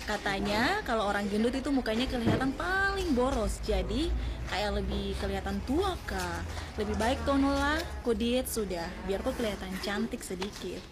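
Brief: woman as a teasing coworker, high and animated. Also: normal speed, natural voice. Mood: scolding. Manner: teasing, mocking, laughing. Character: mocking young woman coworker. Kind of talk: amateur comedy skit acting. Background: loud music.

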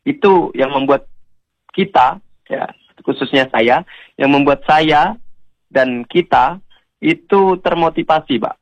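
Earnest preacher with a dry studio voice. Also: male voice, a little high, slow pace, pauses often, no echo, lo-fi sound. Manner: earnest, gently exhorting, addresses listeners directly. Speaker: Islamic preacher (ustaz). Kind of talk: radio sermon answering callers.

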